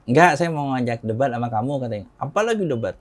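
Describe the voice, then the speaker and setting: An Indonesian man in his forties, a guest on an interview, tells a personal story in a relaxed, conversational way. His voice is medium in pitch and fast, and he chuckles often while acting out quoted dialogue in a raised voice.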